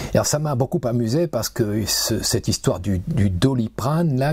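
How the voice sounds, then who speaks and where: A man takes a fairly slow pace as noticeable background noise plays behind him. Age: 70s. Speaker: health and fasting author, video blogger. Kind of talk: monologue to camera. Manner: hesitant, many repetitions.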